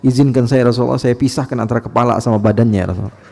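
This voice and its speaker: A man's voice: medium pitch, steady tone, rapid-fire, creaky, darkish tone, pitched below the performer's own voice. A man voicing a fiery, hot-tempered male companion who urgently asks for permission to punish someone.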